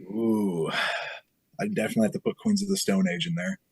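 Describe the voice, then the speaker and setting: A man's voice: lowish voice, sing-song, fairly quick, darkish tone. A man guesting on a podcast as a musician, chatting in an easygoing, laid-back way. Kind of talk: casual interview chat.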